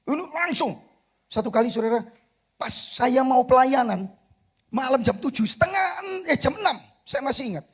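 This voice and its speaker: A middle-aged male pastor with an East Javanese accent preaching an animated sermon in a church, swinging between soft asides and shouted peaks and calling for amens. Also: very high voice, normal speed, breathy edge. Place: church sanctuary.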